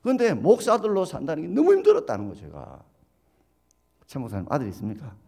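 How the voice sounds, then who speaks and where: A man's voice: fast, vocal fry. Pastor guy, preaching, voice jumps all over the place. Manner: animated storytelling, acts out quoted voices with big pitch leaps. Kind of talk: sermon.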